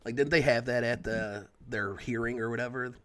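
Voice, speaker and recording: A man's voice: mid-range voice, moderate pace, bright, forceful tone. Laid-back man hosting a podcast. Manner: laid-back, says "like" and "dude" often. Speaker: podcast host. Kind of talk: casual chat.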